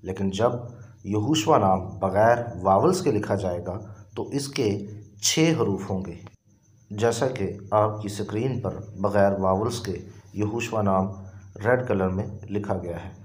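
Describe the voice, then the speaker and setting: A man with a Pakistani Urdu accent teaches scripture at an unhurried crawl. His voice sits fairly low, and he spells out each point with care. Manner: slow, deliberate explaining. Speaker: preacher. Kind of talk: Bible teaching lesson.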